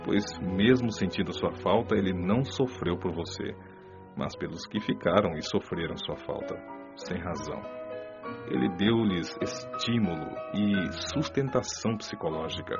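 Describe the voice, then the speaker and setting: An actor with a Brazilian accent playing a kindly, wise male spirit mentor, explaining things in a measured, didactic way for a radio drama. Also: sits low, lively intonation, creaky, full character voice. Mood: consoling, solemn. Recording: lo-fi band-limited audio, music behind. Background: music.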